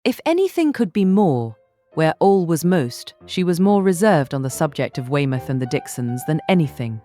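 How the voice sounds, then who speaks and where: A woman reading scripted literary narration as an audiobook narrator in a measured, articulate way. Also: low-pitched, sing-song. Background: soft instrumental music.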